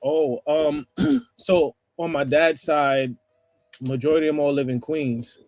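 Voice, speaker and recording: A man with a New York accent talking casually on a livestream panel, rambling, with restarts and throat clearing. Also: fairly high pitch, a little slow, a little mellow, dry recording, faint music behind. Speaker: panel guest.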